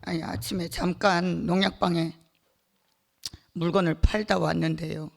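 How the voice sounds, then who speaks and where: Slow, gravelly woman giving a halting testimony. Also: lowish voice, steady tone. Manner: halting, with many fillers, laughing between phrases. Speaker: church member giving testimony. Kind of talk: emotional personal testimony at a church gathering. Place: church gathering hall.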